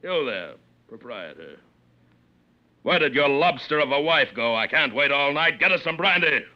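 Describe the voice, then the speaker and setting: An actor playing a huge, boisterous, hard-drinking French black-market porter, bombastic and demanding, in 1940s radio drama style. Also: male voice, on the high side, very animated, normal speed. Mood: belligerent, ranting. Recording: dull old radio broadcast recording.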